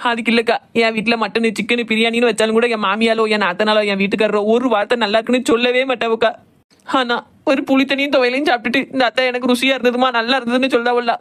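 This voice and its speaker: A woman's voice: a little high, level tone, rapid-fire, a bit bright, lightly acted. A woman voicing a young village daughter-in-law, pouring out a plaintive complaint. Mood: tearful. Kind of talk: cartoon voice acting.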